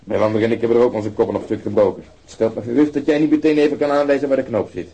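An actor playing a blunt, cynical police detective in a radio drama, sarcastic. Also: male voice, medium pitch, steady tone, very fast, dark tone, breathy edge. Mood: dry mockery. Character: gruff, sardonic, cynical male police detective.

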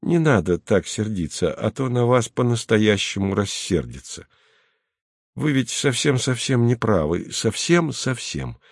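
A man voicing a gentle, easygoing veteran male starship pilot who speaks softly and coaxingly. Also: fairly low pitch, big pitch swings, unhurried, no echo, studio quality, full character voice. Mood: soothing.

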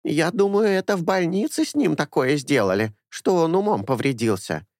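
A man's voice: fairly high pitch, very animated, moderate pace, a little mellow, dry recording, studio quality, pitched above the performer's own voice. A man voicing a talkative old woman in her sixties, a former caretaker who rambles fondly and confidingly. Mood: sorrowful.

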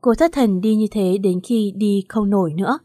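A woman reading a story aloud in a steady, plain narration. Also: mid-range voice, moderate pace, no echo, clean studio sound. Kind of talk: scripted narration.

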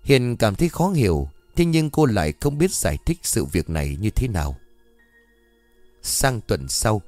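A man narrating a story in an expressive way. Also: fairly low pitch, no room sound.

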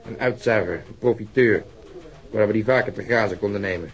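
An actor playing a blunt, sardonic, impatient police detective in a radio drama. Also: male voice, fairly low pitch, fairly quick, natural voice. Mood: animated, cynical. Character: gruff, sarcastic, impatient plainclothes police detective, male. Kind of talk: Dutch radio drama acting. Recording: noisy old radio drama recording.

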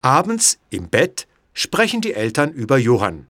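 Male storybook narrator, unhurried and expressive, clear measured reading. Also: medium pitch, no echo, clean studio sound. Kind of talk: scripted audiobook narration.

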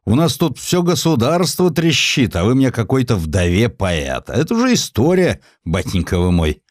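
Man acting pompous old-regime minister, exasperated, condescending, widely swinging pitch, audiobook drama. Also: huge pitch swings, moderate pace, dry recording, studio quality. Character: pompous, dismissive government minister of Tsarist Russia.

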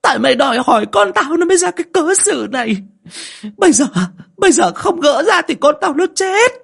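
A man's voice: very high voice, expressive, brisk, creaky, fairly bright tone, voice pushed up, exaggerated voice. A man voicing a furious older mother-in-law who screeches accusations and threats in an audio story. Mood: hysterical.

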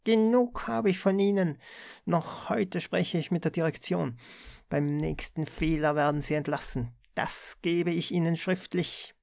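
A man reading an audiobook, voicing a brusque young male office chief who scolds a clerk in a sharp, rasping voice. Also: a little slow, hardly any pauses, no room sound. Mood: angry scolding. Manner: barks and scolds in a high strained shout.

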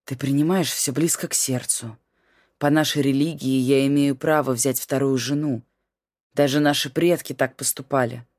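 A woman reading as a calm, stubborn middle-aged husband who speaks in a steady, tired and curt manner. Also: rumbling low, normal speed, dry recording, studio quality. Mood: soothing.

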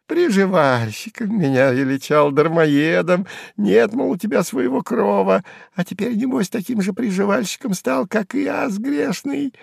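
A squeaky, chattering old hanger-on, jeering in a high, sing-song cackle. Gravelly grit runs under the shrill tone, and the storybook reading sounds close and dry. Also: male voice, lively intonation, a little slow, no echo, heavily acted. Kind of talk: audiobook character voice.

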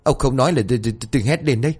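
A man voicing a suspicious old village woman who scolds and threatens loudly. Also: mid-range voice, racing, husky, voice pushed up, natural voice. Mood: scolding.

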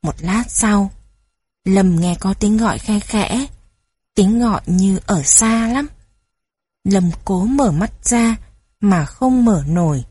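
A woman reading children's stories aloud in a gentle, even storytelling manner. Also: mid-range voice, slow, long pauses, breathy edge, no room sound.

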